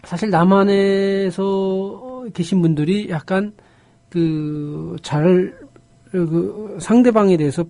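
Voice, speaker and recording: A middle-aged man from North Korea with a North Korean accent, co-hosting a talk show in a measured, earnest way. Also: high-pitched, dark tone, no echo. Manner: measured, earnest, praising the guest. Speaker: co-host. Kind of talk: studio talk show chat.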